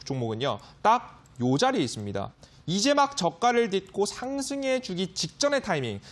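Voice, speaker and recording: A man giving a stock market lecture as a guest expert on a finance broadcast, emphatic, with frequent fillers. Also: sits high.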